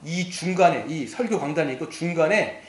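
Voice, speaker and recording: Animated high-voiced pastor, echoey church. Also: male voice, brisk. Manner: lively and animated, acting out quoted attitudes. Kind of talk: sermon. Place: church sanctuary.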